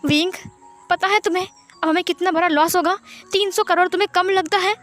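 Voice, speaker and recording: An exasperated father in a spoken fan story scolds his son about a lost deal, as a woman reads him out in a high, rising voice. He stays bright and loud while he lectures. A little music sits faintly behind him. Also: fairly even intonation, brisk. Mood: upset. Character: angry middle-aged businessman father.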